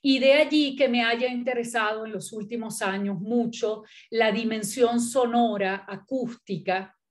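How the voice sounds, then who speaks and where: A middle-aged woman poet and critic, from Venezuela with Italian as her first language, speaking thoughtfully with many pauses, fillers and restarts at an academic panel. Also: fairly high pitch.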